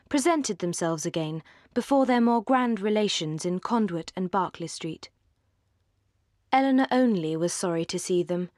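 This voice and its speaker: A woman reads a classic novel aloud at a measured, graceful pace, letting her voice settle low at the ends of phrases. Her pitch sits in the middle range for a woman. The recording is close and completely dry, as from a studio booth. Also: no room sound. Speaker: audiobook narrator.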